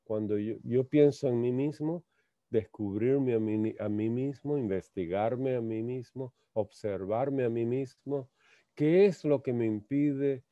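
A man slowly lecturing on a spiritual text, halting and repeating words, asking rhetorical questions. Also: mid-range voice, dry recording. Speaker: lecturer on theosophy. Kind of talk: slow reflective spiritual lecture. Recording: muffled lo-fi dry sound.

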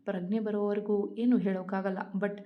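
A stern male hospital doctor from a storybook, as a woman reads him out. He talks briskly and firmly, laying down the rules. The recording sounds dull and lo-fi. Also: mid-range voice, flat delivery, close to an everyday voice. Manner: firm, scolding.

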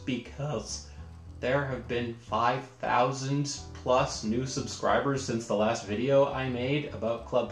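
A man in his thirties talking casually and conversationally to camera as a video host in a small home room. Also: mid-range voice. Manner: informal, conversational. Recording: roomy home recording.

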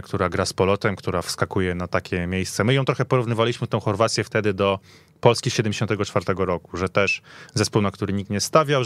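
A man's voice: lowish voice, fairly bright tone, no echo. A man speaking as a panel guest in a casual sports podcast discussion, telling stories in long runs. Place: radio studio.

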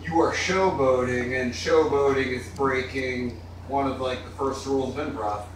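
A man's voice: medium pitch, steady tone, moderate pace, a little hiss or hum. A man chatting on a podcast as a guest, giving firm opinions on how comedy should be done. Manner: opinionated, explaining. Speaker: podcast co-guest, improv comic. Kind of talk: casual chat. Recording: distant, very echoey room mic.

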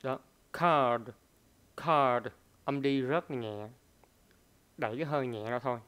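A man's voice: medium pitch, moderate pace, smooth. A man teaching a pronunciation lesson. He hesitates often, uses many fillers, and repeats each word several times to demonstrate it.

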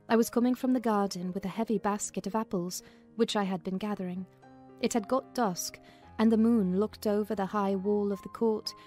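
Mellow-voiced woman narrating a novel. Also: mid-range voice. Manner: measured storytelling. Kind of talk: dramatized audiobook narration, in character as a housekeeper. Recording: music under the voice.

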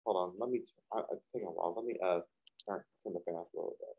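Young guy rambling casually between clips, lowish voice, muffled lo-fi sound. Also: very fast, creaky, slightly rough. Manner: rambling, full of fillers and restarts. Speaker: reaction video host. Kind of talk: casual reaction commentary. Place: small hot home studio with a fan running. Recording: dull lo-fi sound.

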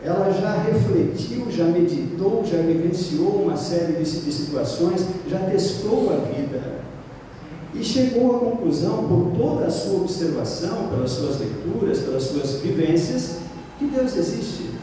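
A middle-aged Brazilian man with a Brazilian Portuguese accent delivers a spiritist lecture at a stand mic, speaking steadily and climbing in pitch to stress his points. His voice is dark and mellow, a little high for a man. The recording is heard from across a reverberant hall with a faint rumble underneath. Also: animated, a little slow. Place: lecture room at a spiritist center. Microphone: stand mic, filmed from across the room. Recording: echoey hall from far off.

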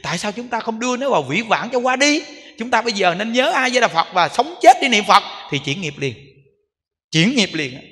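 Monk preaching, bright sharp voice, keeps asking "get it?", echoey hall. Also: male voice, sits high, sing-song, a little fast. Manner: emphatic, rhetorical questions, repetition. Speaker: Buddhist monk. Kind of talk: sermon.

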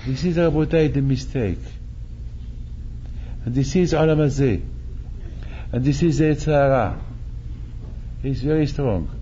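An older rabbi preaches slowly in a dark, mellow voice, often repeating himself and acting out little dialogues. The sound is a bit dull, with a faint hum behind it. He speaks into a stand mic in a synagogue hall. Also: mid-range voice. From Morocco. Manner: animated, gesturing, repeats phrases and acts out quotes. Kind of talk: sermon. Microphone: stand mic at chest.

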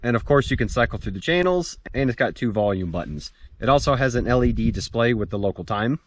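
A man's voice: medium pitch, expressive, fast, no echo. American man, plain-spoken, in a dry sound. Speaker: outdoor gear reviewer. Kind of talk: casual product review to camera. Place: outdoors in a dirt clearing among pines.

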